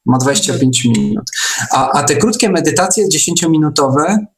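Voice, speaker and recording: A man hosting a casual online chat, speaking in a hesitant, halting way. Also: on the high side, lively intonation, creaky. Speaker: host.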